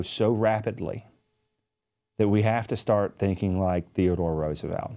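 With a South Carolina accent, a man speaks at a moderate pace. His voice has a fairly low pitch and a dark, mellow tone. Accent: South Carolina Southern. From US South. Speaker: county council chairman, navy veteran. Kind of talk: casual interview chat.

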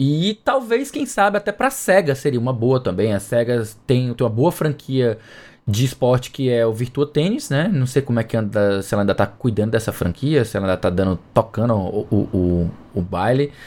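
Medium-pitched male voice with very wide pitch swings, at a moderate pace. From Ceará, Brazil. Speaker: podcast co-host. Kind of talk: casual chat. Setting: video call.

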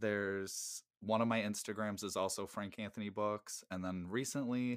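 A man with an American accent speaks in an ordinary speaking voice, fairly low in pitch with fairly even intonation. The recording is very clean, with a silent background. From Massachusetts. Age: 20s. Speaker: podcaster. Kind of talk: casual chat.

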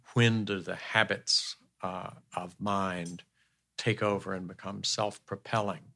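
A man speaks at a fairly slow pace in a fairly low pitch, his bright, sharp tone held to a flat monotone, on a very clean recording with a silent background. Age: 70s. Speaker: veteran news executive and editor. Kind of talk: interview. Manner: halting, with frequent fillers.

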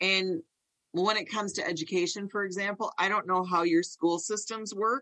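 A woman speaks with ordinary pitch variation. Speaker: lawyer and podcast host. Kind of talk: casual interview. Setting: video call. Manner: animated.

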